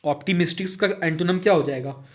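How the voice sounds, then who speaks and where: A man with a fairly high-pitched voice runs an exam-prep lesson in Hindi, reading words. He goes over each answer again and again and keeps checking that the students follow. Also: fast talker. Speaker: online tutor.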